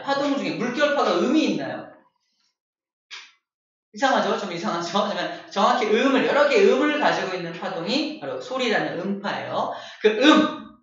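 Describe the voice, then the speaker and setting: A man teaching a classroom lesson, playful and animated, acting out voices as examples. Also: high-pitched. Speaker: middle school science teacher. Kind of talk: classroom lecture. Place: echoey classroom. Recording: dull, echoey from far off.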